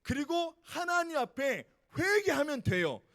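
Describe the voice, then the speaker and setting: A man preaching an evening sermon to teenagers at a youth camp, emphatic and scolding, shouting one moment and dropping to a hush the next. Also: extremely high pitch, very animated, measured pace. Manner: emphatic, swings between shouting and hushed scolding; talks down to listeners in casual speech.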